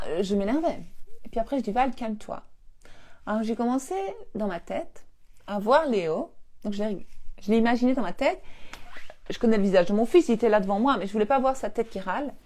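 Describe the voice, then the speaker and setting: Speaking on the high side, a coach tells her live-stream audience a family anecdote in an easygoing manner. She's animated, laughs often, and voices the dialogue herself.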